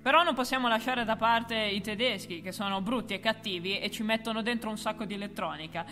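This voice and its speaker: Woman, co-host, scripted music explainer, deadpan irony, bright crisp tone, long room reverb with faint music. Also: medium pitch, brisk. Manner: deadpan, ironic asides. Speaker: co-host of a music history video. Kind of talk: scripted explainer with playful banter.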